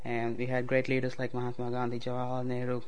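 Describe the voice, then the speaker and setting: A student from Tamil Nadu, a young man with Tamil as his native tongue and a South Indian accent, reads a passage and then speaks off the cuff about his own experience. His medium-pitched voice is monotone, fast, and a little mellow, and his tone is explanatory. Slight background noise is present.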